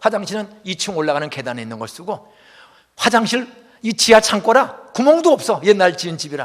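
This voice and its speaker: The delivery is animated and fairly quick, with very wide pitch swings and big swings in loudness. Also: man, high pitch for a man. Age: 70s. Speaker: retired pastor. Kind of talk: sermon.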